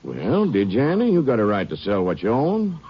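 A man's voice: lowish voice, wildly swooping pitch, brisk. A man playing a plainspoken rural Texas sheriff in a 1950s radio drama, talking in clipped, colloquial sentences. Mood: coaxing. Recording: noisy, muffled old radio recording.

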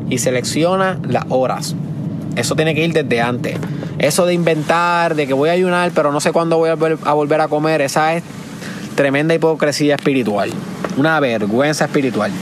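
A man in his twenties with a Puerto Rican Spanish accent, speaking in a somewhat high voice with a rhythmic, repetitive preacher's cadence. He hosts a podcast, and his advice is delivered emphatically. Loud traffic and outdoor noise run beneath the recording. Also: normal speed. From Puerto Rico. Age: 20s. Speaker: podcast host. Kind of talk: motivational preaching monologue.

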